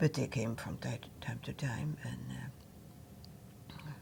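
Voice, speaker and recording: A woman speaks with a Swiss German accent. Her pace is fairly slow. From Netherlands, The Hague. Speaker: family member recounting life story. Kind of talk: reminiscing interview. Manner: halting, with fillers and repetitions.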